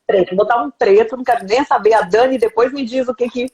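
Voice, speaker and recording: With a southern Brazilian accent, a woman hosts a casual live online interview over a remote video call, chatty, informal and often laughing. Her voice is fairly high and darkish in tone, at a quick pace.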